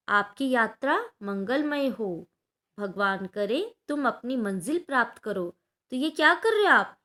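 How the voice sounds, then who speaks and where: A woman's voice: high-pitched, bright, forceful tone. Patient woman teaching a grammar lesson. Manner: explains patiently, checks in with "ठीक है" often. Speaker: school Hindi teacher.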